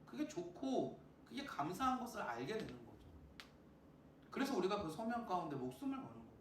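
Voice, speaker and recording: A youth pastor preaches to students with a high, lively voice that climbs and falls, even though his throat is sore. He keeps asking the listeners questions, and the sound carries the echo of a church hall, picked up from some distance. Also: a little fast, slight background noise. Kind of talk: sermon to students. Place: church sanctuary. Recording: echoey church, mic at a distance.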